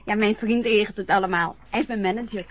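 A woman's voice: mid-range voice, fairly even intonation, quick pace, a little hiss or hum, close to an everyday voice. An actress in a radio play voicing a young woman who lip-syncs and dreams of stardom, talking eagerly and hesitating with many fillers. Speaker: lip-sync performer. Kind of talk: Dutch radio play acting. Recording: dull lo-fi radio play recording.

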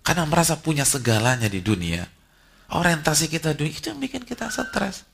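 A man preaching a sermon to women, animated and conversational. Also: fairly high pitch, a little fast, vocal fry, slight background noise. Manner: animated, conversational, acts out short quoted voices. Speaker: Islamic preacher.

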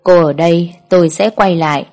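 A woman voicing a ruthless young male crime boss who speaks calmly and curtly, in a storybook reading. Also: lowish voice, normal speed, faint music behind, lightly acted. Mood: cold. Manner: calm, curt and commanding.

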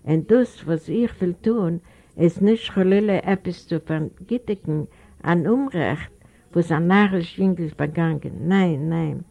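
A frightened, imploring old man speaks slowly in a low, gravelly voice, as a woman reads him. He addresses a young woman humbly and formally, begging and worrying. It is a slow storybook reading. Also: warm tone, lo-fi sound. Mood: pleading. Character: elderly anxious pleading old man.

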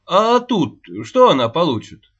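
A man's voice: medium pitch, sing-song, takes it slowly, a bit bright. A man voicing an eager, zealous male commission member who speaks with earnest fervor. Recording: dull lo-fi recording.

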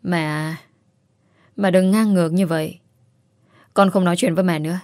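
A woman's voice: lowish voice, fairly even intonation, moderate pace, darkish tone, no room sound, studio quality, lightly acted. A woman voicing an earnest young husband who speaks urgently and firmly.

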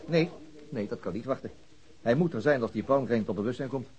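An actor playing a brisk, sober senior police inspector giving orders in a Dutch radio crime drama. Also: male voice, medium pitch, a little mellow, lightly acted. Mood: brisk, decisive. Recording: dull, muffled radio drama recording.

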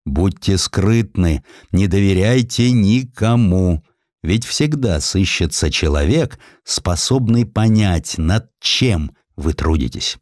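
A man's voice: deep voice, lively intonation, slow pace, a little mellow, dry recording, studio quality. A man voicing a stern, secretive inventor father who lectures his sons in a weighty, admonishing way, in an audiobook. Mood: grave warning. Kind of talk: audiobook character voice.

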